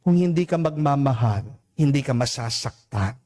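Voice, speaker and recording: A Filipino priest giving a homily, preaching slowly and deliberately, drawing out English phrases and asking his listeners "Amen?". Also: medium pitch, lively intonation, darkish tone. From Philippines. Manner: slow, deliberate preaching with emphatic rises and drawn-out English phrases; addresses listeners as "mga kapatid" and asks "Amen?".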